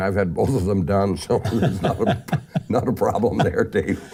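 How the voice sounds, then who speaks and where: A man's fairly low-pitched voice amid noticeable background noise. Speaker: radio personality. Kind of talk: interview answer.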